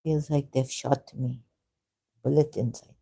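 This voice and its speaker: Slow, mellow, rambling speaker. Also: mid-range voice, steady tone, vocal fry, breathy edge. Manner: rambling, hesitant, stops and restarts often, asks rhetorical questions. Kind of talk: unscripted monologue about religious texts.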